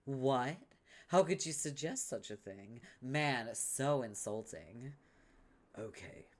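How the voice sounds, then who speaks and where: A man's voice: mid-range voice, animated, takes it slowly. A man voicing a smug, scheming young female troll with a brash, sarcastic delivery.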